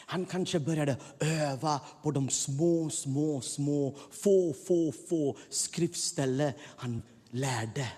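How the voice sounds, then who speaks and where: Middle-aged pastor, slightly husky and a touch high, sermon in a reverberant hall. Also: male voice, few pauses. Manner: preaching with rising intensity, swings between soft and loud. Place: church hall.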